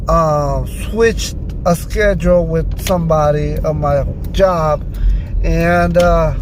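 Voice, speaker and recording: A man talking casually as a solo vlog host, rambling and repeating words as he doubles back, recorded in a car. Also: sits high. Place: inside a car while driving on city streets at night. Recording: clear car and street noise. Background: car and traffic noise.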